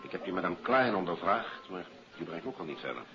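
A formal polite cop in old dutch radio drama, lowish voice, muffled recording w/ music. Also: male voice, lively intonation, a little fast. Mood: businesslike. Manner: formal, courteous, matter-of-fact. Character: polite, businesslike male police investigator. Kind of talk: 1950s Dutch radio play acting.

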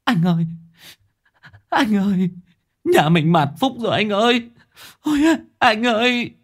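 A woman's voice: mid-range voice, animated, measured pace, pitched above the performer's own voice. A man putting on a sobbing village wife. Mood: wailing grief. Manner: sobbing, wailing. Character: young village wife wailing in grief.

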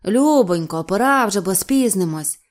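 A woman's voice: medium pitch, expressive, moderate pace, close to an everyday voice. Woman doing a flustered young cameraman. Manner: anxious, shouting.

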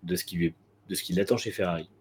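A man's voice: sits low, steady tone, racing, breathy edge. A man co-hosting a motorsport talk show, giving frank, blunt opinions with many hesitant fillers. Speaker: motorsport podcast co-host. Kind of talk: casual opinionated chat.

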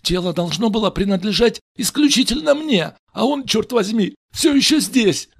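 A man voicing an agitated male atheist, shrill and exclaiming in a storybook reading. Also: lively intonation, moderate pace, vocal fry, slightly rough, heavily acted. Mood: indignant.

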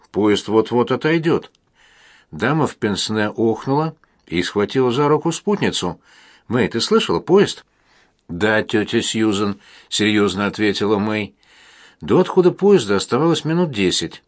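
A man narrating an audiobook in a measured, gently ironic storytelling manner. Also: fairly low pitch. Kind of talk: audiobook reading.

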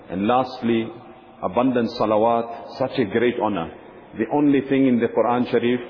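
A man giving an earnest religious talk, telling stories in a steady, devoted way and using many Arabic honorifics. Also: medium pitch. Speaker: Islamic speaker. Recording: dull lo-fi recording with faint noise.

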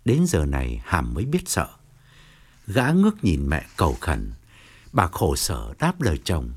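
A man narrating an audiobook novel in an expressive storytelling manner. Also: low voice, measured pace, slightly rough. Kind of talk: scripted narration.

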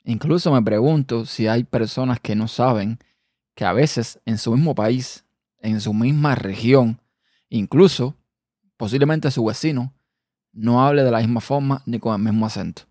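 A man with a Cuban accent hosting a personal podcast monologue, a quick talker who sometimes trips over his words. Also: medium pitch, mellow, no echo, clean studio sound. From Cuba. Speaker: podcast host.

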